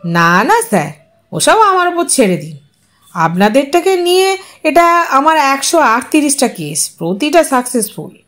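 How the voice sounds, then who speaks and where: Obsequious male manager, bright and pitched high, voiced by a woman. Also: sing-song, unhurried, full character voice. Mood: reassuring. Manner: obsequious, reassuring. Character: eager male agency manager.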